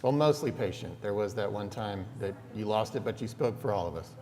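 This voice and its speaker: A man's voice: lowish voice, lively intonation, brisk, dark tone, a little hiss or hum. Friendly man chairing a council meeting. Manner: friendly, joking, lightly teasing. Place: council chamber. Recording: reverberant council chamber.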